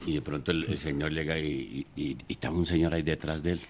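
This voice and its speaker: A man's voice: a bass voice, fairly even intonation, quick pace, a little mellow. A man telling jokes on a radio comedy show, rambling through the story and laughing at his own punchlines.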